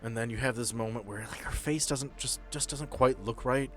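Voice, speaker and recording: A man's voice: medium pitch, fairly quick, fairly bright tone, soft background music. A man speaking informally as game master, narrating a tabletop horror game. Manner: informal, profane.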